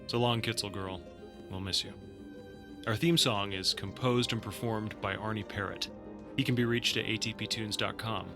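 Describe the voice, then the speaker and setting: A man's voice: lowish voice, fairly even intonation, moderate pace. A man delivering scripted end credits for an audio drama as its announcer. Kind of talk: scripted narration. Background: theme music.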